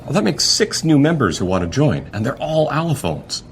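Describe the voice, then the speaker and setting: A man's voice: medium pitch, sing-song, normal speed, slight background noise. A man in a scripted conversation, an upbeat, encouraging organizer of a conversation club. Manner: upbeat, encouraging, slightly folksy. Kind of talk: scripted conversation for a listening test.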